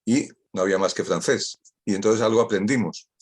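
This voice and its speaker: This is an older man from Spain whose first language is Catalan, speaking in a low voice. He gives a talk over a video call and sounds witty and ironic. He drives his points home by repeating phrases. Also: fairly even intonation, a little fast, slightly rough. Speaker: guest speaker. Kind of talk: online talk.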